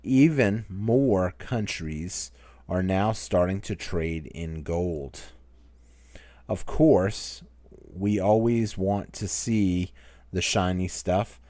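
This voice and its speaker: A man's voice: low-pitched, drawn-out words, warm tone, no echo. A man with a Maine accent hosts a casual Q&A chat, rambling as he reads viewer comments aloud. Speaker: channel host.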